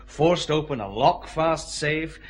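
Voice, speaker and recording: An actor playing a firm, methodical police chief inspector, questioning a suspect in a vintage radio drama. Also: male voice, fairly high pitch. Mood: stern. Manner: brisk, methodical, dry authority.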